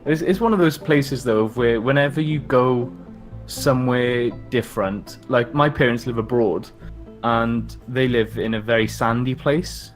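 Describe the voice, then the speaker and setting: A man's voice: medium pitch, unhurried, soft background music. A man from South Wales with a valleys accent, chatting casually as a podcast guest and often chuckling as he talks. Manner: chuckles often while talking. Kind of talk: casual chat.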